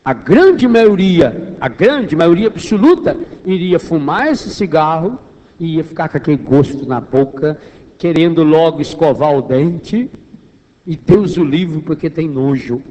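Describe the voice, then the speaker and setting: High-voiced Brazilian preacher in an echoing hall. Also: male voice, animated, unhurried, mellow. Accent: Brazilian Portuguese. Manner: emphatic, rhetorical questions, repeats phrases for weight. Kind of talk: charismatic sermon to a congregation. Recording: echoey hall, long reverberation.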